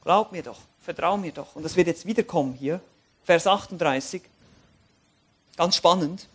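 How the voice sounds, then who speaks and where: Animated high-voiced preacher. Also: male voice, moderate pace, breathy edge. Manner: animated, swings between quiet reflection and raised emphatic lines. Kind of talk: sermon with Bible reading.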